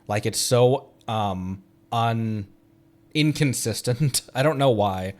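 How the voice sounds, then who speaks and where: A man streaming a game from home, chatting casually, excitable and rambling, laughing often as he talks. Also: mid-range voice, slow pace. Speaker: VTuber streamer. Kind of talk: casual gameplay chat.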